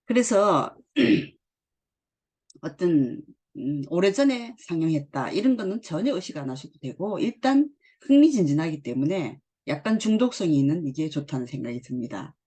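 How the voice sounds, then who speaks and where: A middle-aged woman teaching English from drama scenes, reading lines slowly and then explaining them. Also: deep voice, big pitch swings, dark tone, breathy edge. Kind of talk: explaining drama dialogue in a lesson.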